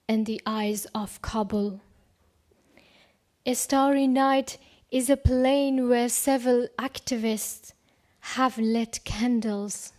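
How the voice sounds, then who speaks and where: Slow, soft-spoken woman reciting poetry. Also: on the high side. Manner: slow, hushed, dropping to a whisper at times. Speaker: poetry reader. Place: award ceremony hall.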